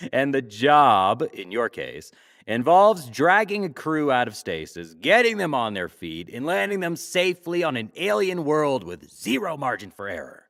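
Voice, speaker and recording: An actor playing a glib, teasing talk show host in a sci-fi audio drama, wry, theatrical and probing. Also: male voice, medium pitch, sing-song, measured pace, a bit bright. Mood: wry, amused.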